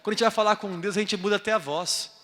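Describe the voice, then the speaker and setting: A man with a Brazilian Portuguese accent preaching a sermon as a bishop, moving from quiet confiding asides to loud, fervent exhortation. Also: high voice, fairly even intonation, very fast. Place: church hall. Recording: long church-hall reverb.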